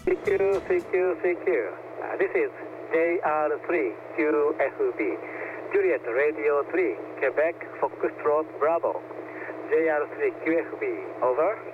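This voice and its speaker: A man with a Japanese accent calls over a tinny, noisy shortwave radio transmission. He uses slow, formal call-sign phrasing. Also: a little high. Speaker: radio host demonstrating a ham radio call. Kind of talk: scripted ham radio exchange in English. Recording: tinny radio band with static.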